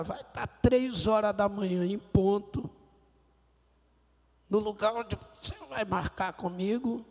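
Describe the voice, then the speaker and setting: A man's voice: high-pitched, heavily acted. A man playing Jesus as a stern, patient teacher who gives firm instructions step by step. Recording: echoey church hall.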